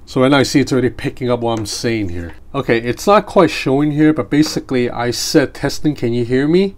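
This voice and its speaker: A man whose first language is Cantonese, reviewing a gadget in a relaxed, chatty way from a tabletop indoors, talking into a separate mic as he demonstrates. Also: medium pitch, fairly quick. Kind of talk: casual product review. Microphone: separate mic near the desk.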